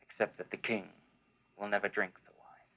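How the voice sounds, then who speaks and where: An actor voicing a sly, scheming assassin in an animated Bible drama, talking in a hushed, conspiratorial way. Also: male voice, fairly low pitch, moderate pace, gravelly, exaggerated voice. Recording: dull lo-fi sound.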